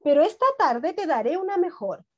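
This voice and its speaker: A woman voicing a busy, patient country mother in a storybook read-aloud, calm and matter-of-fact. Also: sits high, brisk. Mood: firm. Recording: dull lo-fi video call audio.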